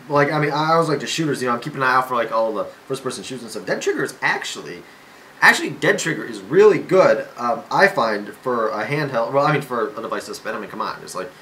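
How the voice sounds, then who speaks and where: An eighteen-year-old vlogger talks casually to his camera in a room at home, rambling with lots of fillers, restarts and self-mocking jokes. His mid-range voice is bright and forceful. The rough camera-mic recording carries a little hiss or hum.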